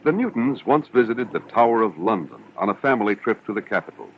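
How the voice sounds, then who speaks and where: A documentary narrator with a low voice and lively intonation gives formal, measured narration for a 1970s educational film. The soundtrack sounds dull and carries a slight hiss.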